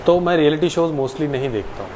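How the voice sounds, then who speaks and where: A man's voice: fairly high pitch, expressive, brisk, a little mellow, slight background noise, poor audio. A man in his late twenties, an actor, answering viewers' questions casually and politely on a live stream. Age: 20s.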